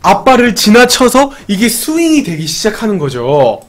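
A man's voice: high-pitched, wildly swooping pitch, moderate pace, heavy background noise. A man teaching English in a casual live-streamed lesson, explaining a film scene, repeating lines and asking his audience questions. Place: home streaming setup.

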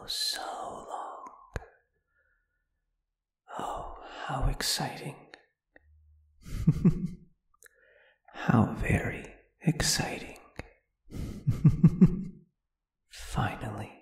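A woman voicing a lonely, excitable female ghost who haunts empty halls, speaking in a breathy whisper with giggles. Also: sits low, extremely slow, heavily acted. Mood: eerie, excited. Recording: echoey reverberant space.

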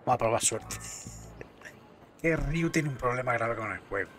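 A man's voice: medium pitch, animated, a little fast, over music. A man casually commentating a game, chatting to himself and swearing now and then. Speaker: gameplay commentator.

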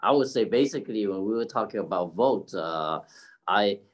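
Halting older man giving an informal speech. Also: lowish voice, expressive. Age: older, about 70s. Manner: halting, with frequent throat-clearing. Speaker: keynote speaker and community leader. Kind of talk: informal extemporaneous speech on an online forum. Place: indoor room at home, by a curtained window. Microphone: video call, device mic at desk distance.

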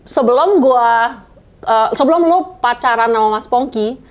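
A woman guest in a casual conversation, relaxed and easygoing, sprinkling English phrases into her talk. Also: fairly high pitch, normal speed. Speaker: guest singer and vocal coach.

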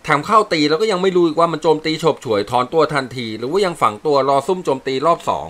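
A man's voice: on the high side, expressive, quick pace, a bit bright, voice pushed up. A man voicing a blunt male sergeant briefing his squad in plain, coarse words. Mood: explaining. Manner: blunt, matter-of-fact, coarse. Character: gruff male sergeant, blunt team leader.

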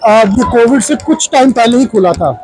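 Male vlog host, South Asian accent, high voice, casual and chatty commentary. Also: animated, moderate pace, darkish tone. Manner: chatty, playful, code-switching into English. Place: inside a large shopping mall.

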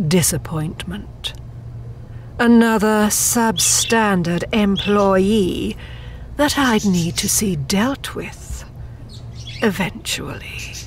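An imperious immortal ruler in an audio drama, weary of her duties. She speaks slowly and formally at a middle pitch, with haughty, measured phrasing. Faint ambience sits behind her voice. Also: a little hiss or hum. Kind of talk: scripted audio drama monologue.

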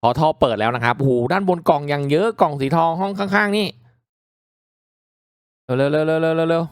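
A man giving casual, reactive commentary as he hosts a mobile game playthrough, chatting politely to viewers with excitable exclamations. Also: on the high side, a little fast, clean tone, no echo, clean studio sound. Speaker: gaming video host.

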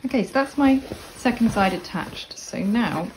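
A woman explaining sewing steps in a casual, chatty tutorial voice-over, with relaxed asides. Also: medium pitch, normal speed, over music, poor audio. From Cornwall, England. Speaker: sewing instructor. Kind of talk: casual step-by-step tutorial narration.

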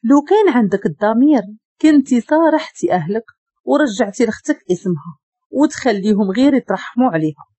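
A woman's voice: on the high side, animated, brisk, warm tone, husky, dry recording. Woman reading as a cold, harsh Moroccan businessman. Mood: angry. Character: stern cold businessman, hard and angry.

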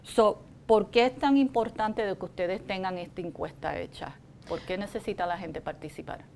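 A woman's voice: medium pitch, moderate pace, creaky, a little hiss or hum. Chatty woman in her sixties hosting. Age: 60s. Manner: chatty, animated, with many fillers. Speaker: TV show host. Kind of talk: casual Spanish interview. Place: TV studio set. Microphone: lapel mic.

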